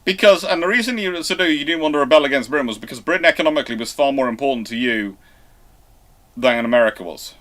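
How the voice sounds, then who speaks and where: Halting, discursive man in live history discussion. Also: mid-range voice, animated, a bit bright. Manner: halting, discursive, repeats and reworks sentences. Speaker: host of a live history Q&A show.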